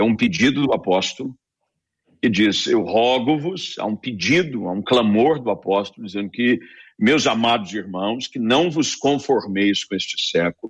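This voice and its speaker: A man speaks at a fairly slow pace in a medium pitch, his intonation lively. The background is quiet. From Rio de Janeiro, Baixada Fluminense. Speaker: pastor, debate panelist. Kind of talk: radio panel debate, preaching style. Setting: radio studio.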